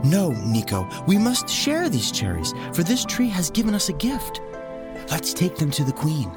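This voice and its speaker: Man voicing a gracious noble lady, pitched up. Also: wildly swooping pitch, moderate pace, over music. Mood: excited. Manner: earnest, gracious. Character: kind, generous, dreamy noble lady.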